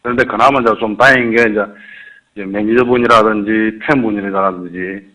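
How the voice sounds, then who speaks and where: A middle-aged man speaking a Korean regional dialect, phoning in to a live stream and rambling haltingly, often repeating himself. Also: lowish voice, fairly even intonation, pushed and bright, rough recording. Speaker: caller. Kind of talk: phone-in advice call.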